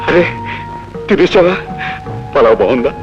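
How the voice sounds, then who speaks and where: In an old 1970s Telugu film scene, an actor plays a jovial, talkative middle-aged police constable who is kindly, chatty, and quick to tease and laugh. The male voice is fairly high and animated yet keeps a measured pace. The old soundtrack is dull, with music underneath.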